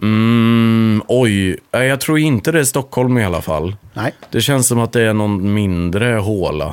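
A man with a normal speaking voice talks at a fairly slow pace with hardly any pauses. His medium pitch shows ordinary variation, and his loudness stays very even. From Sweden, Vättern area (Östergötland or Västergötland). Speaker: golf podcast co-host. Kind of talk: casual chat.

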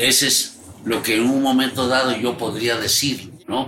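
The voice moves at a fairly slow pace through noticeable background noise and audible room echo. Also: man. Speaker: retiree. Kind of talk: interview. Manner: halting.

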